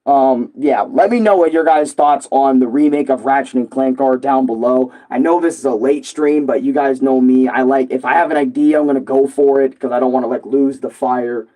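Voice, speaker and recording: A young man with a hoarse voice, a gaming streamer ranting casually and loosely to his viewers, swearing and rambling with lots of fillers. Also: medium pitch, normal speed, hardly any pauses, warm tone, low-quality recording.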